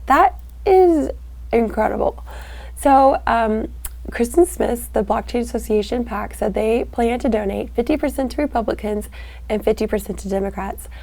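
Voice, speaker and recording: A young adult woman co-hosting a casual podcast, with a raspy voice, laughing often and searching for words with fillers. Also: a little high, normal speed, a little mellow. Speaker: co-host.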